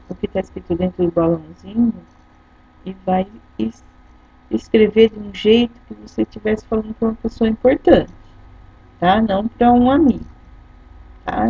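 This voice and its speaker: Husky, gravelly Brazilian woman teacher. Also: a little high, warm tone, no echo. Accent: Brazilian Portuguese. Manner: patient, explaining step by step, frequent checking "tá?". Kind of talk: classroom lesson explanation. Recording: dull lo-fi recording.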